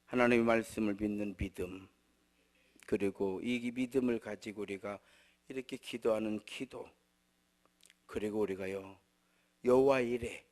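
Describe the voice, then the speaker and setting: A man preaching a sermon as pastor, moving between raised declarations and soft, low asides. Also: fairly even intonation, unhurried, long pauses.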